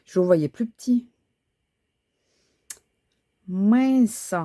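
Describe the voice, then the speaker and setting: A woman's voice: on the low side, normal speed, warm tone, no echo, clean studio sound. A woman thinking aloud as she crafts, talking casually with frequent fillers and restarts. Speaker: crafting vlogger. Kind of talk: casual chat while crafting.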